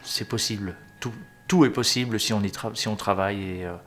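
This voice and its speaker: A man in his forties from Europe, a business owner speaking earnestly in a testimonial interview, often pausing to hesitate. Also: fairly low pitch, fairly bright tone. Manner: earnest, hesitant with frequent pauses.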